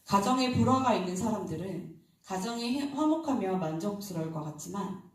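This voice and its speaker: A woman's voice: medium pitch, expressive, a little fast. Woman preaching in a very echoey hall. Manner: conversational, anecdotal, asks the congregation questions. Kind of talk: early-morning sermon. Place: church sanctuary. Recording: very echoey hall, distant mic.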